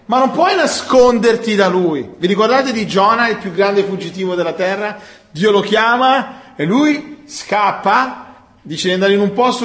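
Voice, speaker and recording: A man preaching a sermon, moving from loud emphatic lines to quiet low asides. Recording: echoey room.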